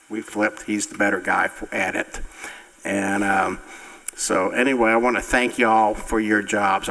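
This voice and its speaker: Bright-voiced man in a council hall. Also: on the low side. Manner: rambling, halting, friendly. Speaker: town council member. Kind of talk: council member comments. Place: town council chamber. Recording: long reverb of a meeting hall.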